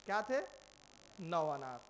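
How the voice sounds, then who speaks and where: Male preacher, high voice, animated sermon storyteller who acts out dialogue; faint hiss. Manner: animated, acting out dialogue and questioning listeners.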